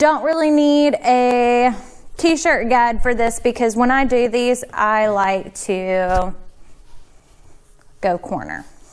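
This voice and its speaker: A woman with a Texas accent speaks very slowly in a high pitch, with ordinary pitch variation and long, frequent pauses. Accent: Texas twang. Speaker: crafting youtuber. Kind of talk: tutorial. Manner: casual, chatty.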